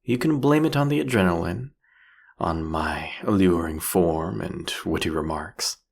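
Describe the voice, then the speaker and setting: A man playing a seductive, mocking vampire king in a fantasy audio roleplay, with theatrical, teasing, eloquent delivery and a husky, gravelly voice. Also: low-pitched, a little slow, heavily acted. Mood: amused, probing.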